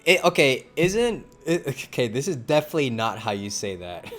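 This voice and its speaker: A young man giving casual, slangy live gameplay commentary, reacting aloud in a halting way. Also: medium pitch, big pitch swings, a bit bright, soft background music. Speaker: game streamer.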